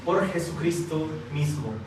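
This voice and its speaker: A man preaching and praying in a church, born in Italy, halting with many fillers and restarts. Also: on the high side, lively intonation, noisy background. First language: Italian or Filipino language. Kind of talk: sermon and prayer. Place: church hall. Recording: echoey hall, from far off.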